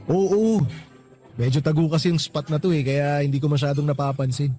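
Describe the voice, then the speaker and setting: Guy acting as sweet easygoing filipino boyfriend in radio love drama, chatty, lightish pitch, soft music behind. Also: fairly even intonation, normal speed, lightly acted. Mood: cheerful, relaxed. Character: affectionate Filipino boyfriend working overseas, easygoing, devoted. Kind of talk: Tagalog radio romance drama dialogue.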